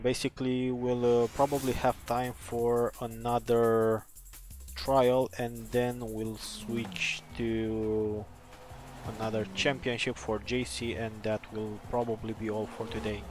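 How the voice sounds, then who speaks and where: A man with a Romanian accent, a native Romanian speaker, chatting casually with viewers on a live gaming stream, pausing often with "uh" fillers. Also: medium pitch, flat delivery. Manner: halting, many "uh" fillers, easygoing. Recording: loud game music behind the voice.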